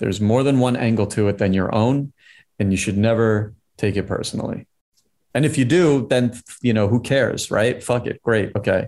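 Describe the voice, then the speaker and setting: Here is a man with a normal speaking voice and an American accent, at a medium pitch and moderate pace with ordinary pitch variation. His loudness is very even, and the recording is very clean, with a silent background. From New York, Staten Island. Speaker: actor and improviser. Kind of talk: casual interview chat.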